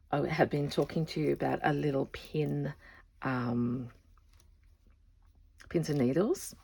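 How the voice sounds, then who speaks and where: Woman craft vlogger, low gravelly voice, chatty and rambling. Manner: chatty, rambling, often trails off softly. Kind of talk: casual show-and-tell chat.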